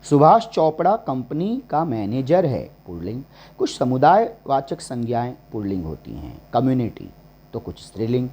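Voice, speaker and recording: A man teaching a grammar lesson, slowly listing example words one at a time. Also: mid-range voice, big pitch swings, dark tone. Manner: slow and deliberate, listing examples word by word. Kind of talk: classroom-style grammar lesson.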